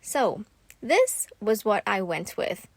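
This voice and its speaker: A woman's voice: mid-range voice, sing-song, slow, creaky, dry recording. A woman from Thailand, narrating a voiceover for her art channel in a chatty, upbeat way, with a bit of self-deprecating humor. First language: Thai. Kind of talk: voiceover narration of a craft video.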